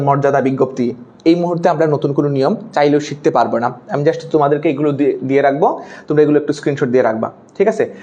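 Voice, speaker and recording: A man's voice: a little high, darkish tone. A young male teacher with a Bangladeshi Bengali accent giving an exam-prep lecture, chatty, dropping English words and often asking "okay?" to check in. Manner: mixes English words into his talk.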